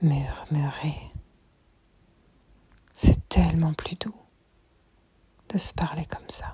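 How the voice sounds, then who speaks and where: Over noticeable background noise, a woman speaks at a very slow pace with long, frequent pauses and big swings in loudness. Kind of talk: podcast episode. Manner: whispered; soft, slow.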